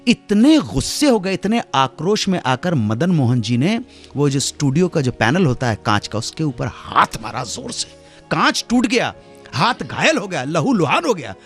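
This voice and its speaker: Brief: middle-aged male radio host, theatrical storyteller, very lively pitch, faint music bed. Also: normal speed. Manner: dramatic, swings from hushed to loud exclamations.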